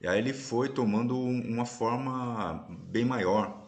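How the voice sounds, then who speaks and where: A man's voice: mid-range voice, a little slow. A man hosting a casual live-stream chat on a video call, explaining things at length and often checking in with his listeners. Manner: explanatory, often ending sentences with "né?". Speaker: host and course instructor.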